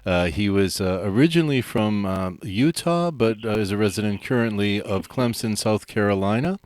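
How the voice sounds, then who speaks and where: A man's voice: lowish voice, normal speed, a little mellow. A male radio host introducing and questioning a guest, hesitant with many fillers. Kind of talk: radio interview.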